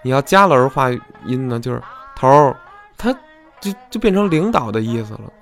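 A man's voice: medium pitch, big pitch swings, fairly quick, a bit bright, faint music behind. A man hosting a podcast, explaining in a chatty, folksy way and often asking his listeners "right?". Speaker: podcast host. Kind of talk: casual explanatory monologue.

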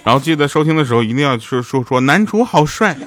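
Over music, a man who does radio dramas promotes his show by telling funny stories casually and cracking up at his own jokes. He speaks quickly, with a higher-leaning voice and lively intonation.

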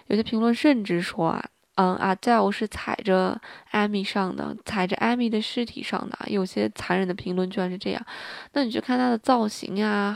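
A woman with a hoarse, gravelly voice, hosting a music show in a casual, conversational way that speaks directly to listeners. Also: medium pitch, darkish tone, no echo. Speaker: music podcast host.

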